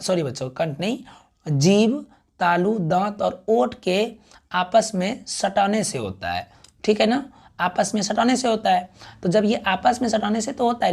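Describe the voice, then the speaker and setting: A man teaching a grammar class, who keeps calling out to the children, sounds out syllables slowly and answers his own questions. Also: sits high, creaky, a little mellow.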